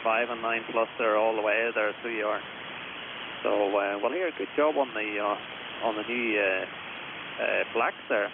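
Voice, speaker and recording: A man's voice: on the low side, steady tone, narrow, tinny audio. Hissy radio voice, Northern Irish man. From Northern Ireland. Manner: halting, repetitive, tags phrases with "so you are". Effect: shortwave radio transmission. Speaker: amateur radio operator. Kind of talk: casual ham radio contact chat. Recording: thin, band-limited radio signal with loud hiss.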